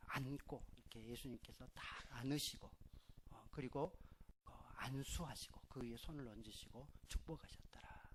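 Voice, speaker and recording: A middle-aged man preaching a Sunday sermon as pastor, with loud stresses that drop to soft endings. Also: medium pitch, slight background noise. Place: church sanctuary.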